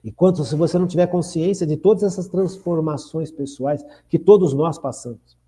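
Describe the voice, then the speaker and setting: This man in his sixties hosts a spiritual radio show in an earnest, reflective manner, speaking with a Brazilian Portuguese accent at a normal speed. His voice is slightly high and dark-toned. He repeats phrases and frequently poses questions to listeners.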